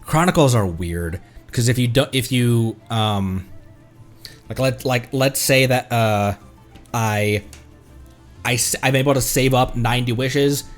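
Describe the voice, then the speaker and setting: A man's voice: medium pitch, unhurried. A man streaming a game, rambling casually and thinking aloud to his viewers. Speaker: streamer, VTuber host. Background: music.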